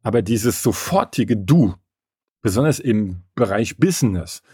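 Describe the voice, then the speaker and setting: A man with a dark, mellow voice and a husky edge, talking as an interview guest about manners. He speaks emphatically and opinionatedly, often wandering into side remarks. The recording is close and dry. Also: on the low side, lively intonation, measured pace, no echo. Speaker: guest, etiquette expert. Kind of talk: conversational interview.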